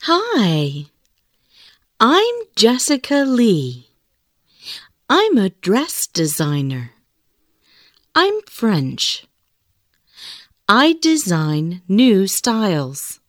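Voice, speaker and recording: A woman reading scripted language-lesson audio, speaking very slowly and carefully. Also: medium pitch, wildly swooping pitch, no echo, clean studio sound. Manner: very slow, carefully enunciated reading. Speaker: textbook audio reader.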